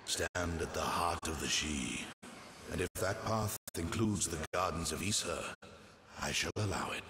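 An actor playing an ancient, solemn talking tree in a fantasy video game, speaking in stately, formal pronouncements. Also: male voice, low-pitched, unhurried, bright, forceful tone, a little hiss or hum, full character voice. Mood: solemn, benevolent.

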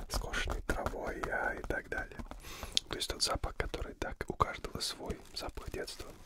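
A man in his thirties whispers ASMR very close, right in your ear, unhurried and softly repeating words, into a close studio microphone. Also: very high voice. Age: 30s. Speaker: ASMR video host. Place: indoor room set up for ASMR. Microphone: close studio microphone beside the mouth.

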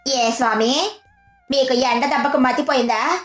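A woman voicing a sharp-tongued village wife in a storybook tale, mocking and theatrical, with a greedy streak. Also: sits high, a little slow. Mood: mocking, scolding. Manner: scolding, sarcastic, theatrical. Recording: music behind the voice.

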